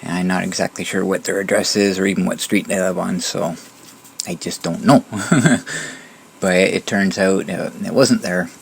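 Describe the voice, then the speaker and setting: A man's voice: sits low, steady tone, normal speed, vocal fry, a little hiss or hum. A man hosting a video with casual, hesitant, conversational voiceover commentary. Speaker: video host.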